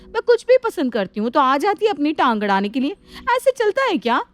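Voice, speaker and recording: A woman's voice: high voice, very animated, brisk, voice pushed up. Woman doing a touchy, resentful young daughter-in-law. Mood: aggrieved. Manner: complaining, raised and sharp.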